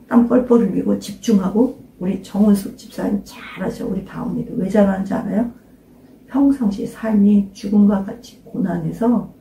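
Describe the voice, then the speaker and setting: A woman's voice: mid-range voice, vocal fry, warm tone. An older woman pastor preaching an informal sermon, emphatically questioning her listeners and urging them to pray aloud. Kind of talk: informal sermon to a small congregation. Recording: roomy echo, mic at a distance.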